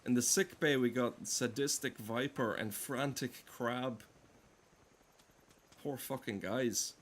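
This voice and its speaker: A man giving casual gameplay commentary in a deadpan, mock-solemn manner. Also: medium pitch, slow pace, slight background noise. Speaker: gameplay streamer. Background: game music.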